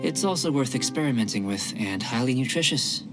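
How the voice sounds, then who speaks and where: Man doing a young game alchemist, composed, precise, curious, mid pitch. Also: expressive, brisk, close to an everyday voice. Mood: calm curious. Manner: precise, composed, polite scientific phrasing. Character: calm young male alchemist, curious and measured. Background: game music.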